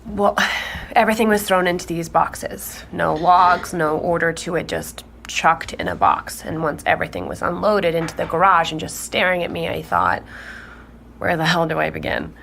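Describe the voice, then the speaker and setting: An actress playing a woman who recounts her discovery in halting, natural speech in an audio drama. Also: lowish voice, animated, vocal fry, a bit bright. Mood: animated, candid. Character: shaken woman recounting her grandfather's secret tapes. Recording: faint background noise.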